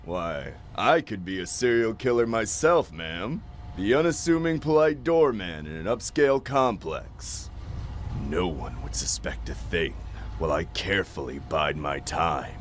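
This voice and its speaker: A man playing a polite, unassuming doorman who hints he is a killer, in a measured, menacing horror game style. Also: sits low, lively intonation, slight background noise. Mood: sly, menacing. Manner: measured, quietly menacing storytelling. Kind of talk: horror video game acting.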